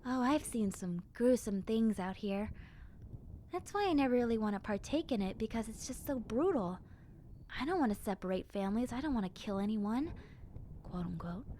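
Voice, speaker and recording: Woman playing young zombie girl, slightly high voice, gentle, friendly, chatty, musing, intimate audio drama roleplay. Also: lively intonation, normal speed, a little hiss or hum, natural voice. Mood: earnest, wistful. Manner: soft-hearted, conversational, musing.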